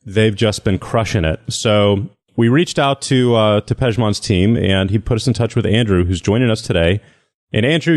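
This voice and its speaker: Man, low pitch, relaxed, interview host. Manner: relaxed conversational, uses "y'all". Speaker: podcast host. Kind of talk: interview podcast.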